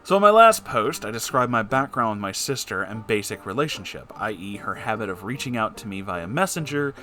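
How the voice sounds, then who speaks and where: A man's voice: on the low side, big pitch swings, a little fast, sharp tone, soft background music. A man hosting a letter-reading show, performing listeners' letters expressively and answering with wry, conversational advice. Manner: theatrical, wry asides.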